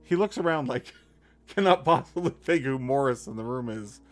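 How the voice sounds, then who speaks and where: Lively-voiced man running a tabletop game. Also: mid-range voice, moderate pace, soft background music. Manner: chuckling, loose storytelling. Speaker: game master.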